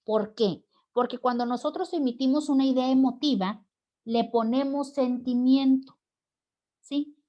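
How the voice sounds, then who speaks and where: Speaking a little slowly with fairly even intonation, a Mexican woman with a high-pitched, dark-toned voice lectures in a recorded online class. She explains step by step and keeps checking with students via "¿ok?" and "¿sí?".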